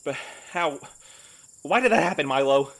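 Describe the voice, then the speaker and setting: An actor playing a timid, fussy courier with formal, fretful diction in an audio drama. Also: male voice, fairly high pitch, lively intonation, normal speed, vocal fry, a bit bright. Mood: subdued, worried. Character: nervous, fussy, bookish man, a timid courier.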